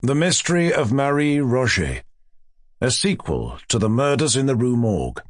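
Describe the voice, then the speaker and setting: A man reads classic literary fiction in a formal, measured manner. His mid-pitched voice rises and falls in a lively way. The recording is close and dry, with no room sound. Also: no room sound. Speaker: audiobook narrator.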